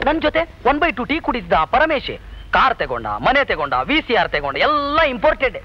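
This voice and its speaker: A man's voice: extremely high pitch, very animated, fast talker, full character voice. An actor playing a joking young man who teases his friends. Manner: joking, teasing, chuckling. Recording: dull old film soundtrack with music.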